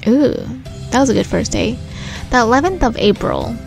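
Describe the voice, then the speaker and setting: A woman's voice: on the high side, wildly swooping pitch, normal speed, creaky. A woman hosting a let's play, reading a visual novel aloud and adding casual commentary. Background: game music.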